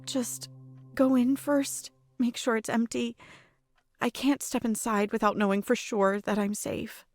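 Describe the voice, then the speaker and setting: A woman's voice: on the high side, unhurried, a little mellow, soft background music, lightly acted. A woman playing a frightened, guarded young woman in a horror game. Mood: anxious.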